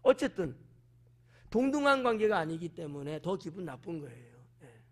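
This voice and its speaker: A man with a fairly high voice preaching a sermon at an evening service. He walks through a Bible passage line by line and keeps turning to his listeners with questions. He acts out the speakers in the text with animated, sarcastic quoted lines. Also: normal speed. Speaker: pastor.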